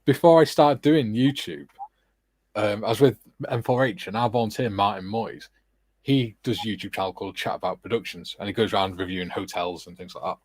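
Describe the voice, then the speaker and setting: Low-voiced, monotone man. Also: a little fast, dry recording. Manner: self-described monotone, earnest. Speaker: co-host. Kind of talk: casual chat on a live stream.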